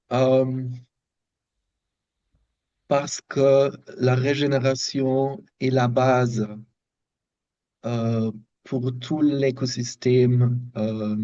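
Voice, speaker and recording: Very slow, halting man with German accent. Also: medium pitch, warm tone, lo-fi sound. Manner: halting, searching for words. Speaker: workshop participant, systemic design researcher. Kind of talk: slow, thoughtful remarks in a second language. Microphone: video call microphone.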